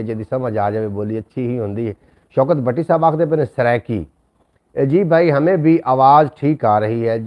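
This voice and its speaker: A man's voice: mid-range voice, muffled recording. A man hosting a casual live stream, courteous and full of blessings and thanks for his viewers. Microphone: new microphone.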